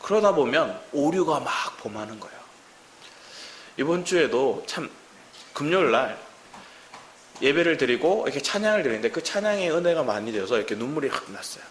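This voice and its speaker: A man's voice: on the high side, very animated, fairly quick, long pauses. A man in his thirties with a Gyeongsang Korean accent preaching a sermon as pastor, asking the congregation many questions. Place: church sanctuary. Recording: roomy church hall with faint hiss.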